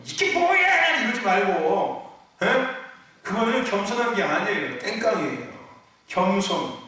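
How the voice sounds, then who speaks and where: A male pastor delivers a Friday sermon with a high, bright, ringing voice. He keeps firing questions at the congregation, acts out whiny complaints and punctuates his points with hallelujah and amen. The sound is very echoey, picked up at a distance in a church sanctuary.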